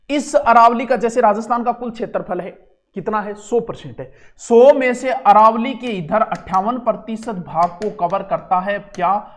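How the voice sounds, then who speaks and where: Rajasthani man teaching a lively lesson. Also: high-pitched. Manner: chatty, mixes local dialect and homely examples. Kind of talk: exam-prep geography lesson.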